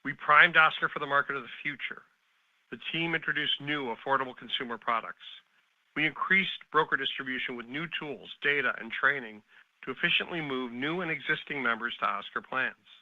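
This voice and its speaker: Very bright, forceful male executive reading remarks. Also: mid-range voice, normal speed, no echo. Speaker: company executive. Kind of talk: scripted earnings presentation. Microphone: conference call line. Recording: dull, band-limited call audio.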